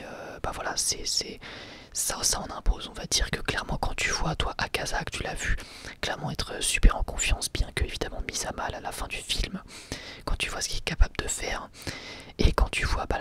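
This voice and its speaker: A man whispers a relaxed ASMR review close to the mic, hesitating and restarting as he goes. His hushed pitch swings up and down far more than usual. The breathy whisper never lifts into full voice. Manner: casual, rambling, many fillers and restarts; whispers throughout.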